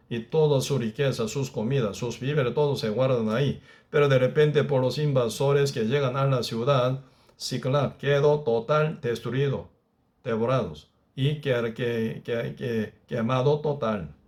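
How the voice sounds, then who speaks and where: A man's voice: mid-range voice, darkish tone. Man teaching a Bible study. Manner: peppers speech with tag questions; reads scripture aloud at a slower pace. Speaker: pastor.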